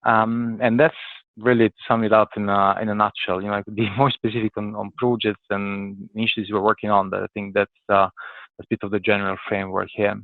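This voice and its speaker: A man's voice: on the low side, level tone, brisk, no room sound. An Italian man with an Italian accent answering interview questions conversationally as a podcast guest, hesitant and thinking aloud in broken phrases. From Italy. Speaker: podcast guest, corporate professional. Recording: thin phone-like call audio.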